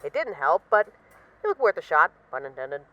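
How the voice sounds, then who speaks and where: A woman's voice: deep voice, big pitch swings, moderate pace, bright, forceful tone, lo-fi sound, a little hiss or hum, heavily acted. A woman playing a self-assured, bored mafia boss in an intimate voice-message roleplay, wry, boastful and affectionately teasing her partner. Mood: sheepish, wry. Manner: wry, boastful, teasing, mock-indignant, swearing casually.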